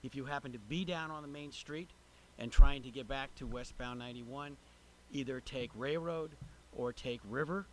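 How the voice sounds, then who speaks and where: A man's voice: mid-range voice, poor audio. A man giving an informal, plainspoken update as an agency representative at a public meeting, hesitating often with uhs. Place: city council chamber, public meeting. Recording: noticeable background room noise.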